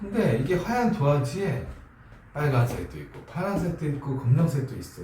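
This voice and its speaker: A man with an American accent and a medium pitch speaks at a moderate pace with very wide pitch swings. Audible room echo surrounds his voice. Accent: Korean with American-sounding pronunciation. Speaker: network marketing consultant and author. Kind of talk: online lecture video.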